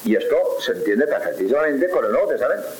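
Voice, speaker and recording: A man giving a lively Catholic lecture, firing rhetorical questions and answering them emphatically. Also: medium pitch, quick pace. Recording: hissy roomy old radio recording.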